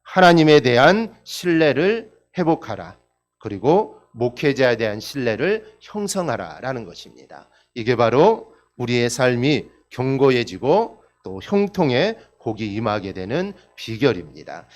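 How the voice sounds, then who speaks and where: A man's voice: mid-range voice, sing-song, unhurried. A male pastor giving an earnest, emphatic sermon.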